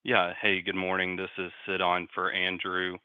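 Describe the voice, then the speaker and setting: A man's voice: low voice, monotone, moderate pace, clean tone, no echo, muffled recording. A man asking questions as a financial analyst on an earnings call. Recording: slightly band-limited call audio.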